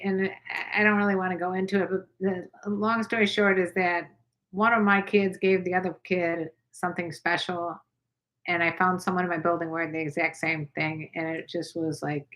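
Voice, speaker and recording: An older woman hosting a casual livestream chat, rambling with quick asides. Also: lowish voice, steady tone, fairly bright tone. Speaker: channel host.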